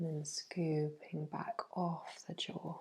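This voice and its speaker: A soft-spoken woman talks at a very slow pace. Her tone is gentle, dark and mellow, and somewhat breathy. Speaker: facial therapist giving a facial massage. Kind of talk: ASMR facial massage guidance. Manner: soft-spoken, gentle, slow-paced.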